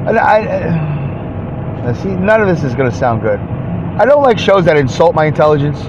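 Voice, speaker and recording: A man hosting a solo podcast, rambling and self-deprecating with lots of fillers, sounding congested. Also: on the high side. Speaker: podcast host. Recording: dull lo-fi sound with noise.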